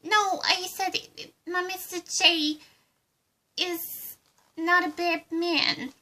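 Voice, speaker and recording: A woman's voice: very high voice, fairly even intonation, takes it slowly, pushed and bright, full character voice. A woman voicing a giddy, unhinged female villain with a put-on accent in a fan roleplay, bubbly and eager to please.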